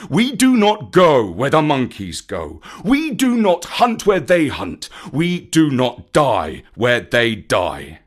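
A wise old bear from a storybook, as a male reader puts him on, lecturing with slow, weighty emphasis. His voice swoops up and down as he stresses each warning, measured and unhurried. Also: medium pitch, exaggerated voice. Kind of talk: storybook reading.

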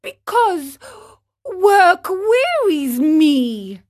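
A woman reading an audiobook, voicing an eager, mischievous wooden puppet boy who talks in a high, pleading way. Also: sing-song, drawn-out words, full character voice. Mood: whiny.

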